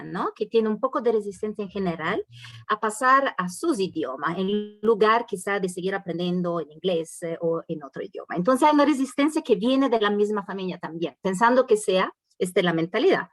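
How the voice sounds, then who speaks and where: A woman's voice: medium pitch, dry recording. Hesitant woman moderating a panel. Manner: hesitant, many fillers while reading questions.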